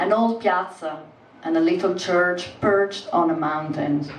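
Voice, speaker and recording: A woman's fairly low voice with an Italian accent and fairly even intonation, at a very slow pace, with audible room echo and noticeable background noise. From Italy. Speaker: poet. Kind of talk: poetry reading. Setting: stage with audience.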